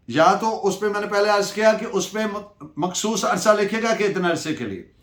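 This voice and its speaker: High-voiced Pakistani man lecturing, echoey room. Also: fairly bright tone. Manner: didactic, poses questions then answers them, switches between Urdu and English. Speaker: law lecturer. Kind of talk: lecture with case-law dictation.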